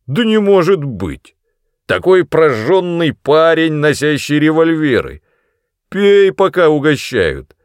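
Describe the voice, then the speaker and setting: Brutal drunk father, sneering and loud, big swinging voice, as a male reader puts him on. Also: fairly high pitch, big pitch swings, takes it slowly, smooth, no echo, clean studio sound, pitched above the performer's own voice. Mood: mocking. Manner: mocking, menacing, loud.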